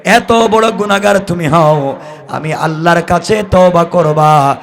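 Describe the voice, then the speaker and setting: A man's voice: a little high, slow pace, gravelly. A man preaching an Islamic sermon, telling stories dramatically and urging his listeners to pay attention. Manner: exclamatory, calls on listeners to respond and pay attention. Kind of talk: impassioned sermon with dramatic storytelling and melodic scripture recitation.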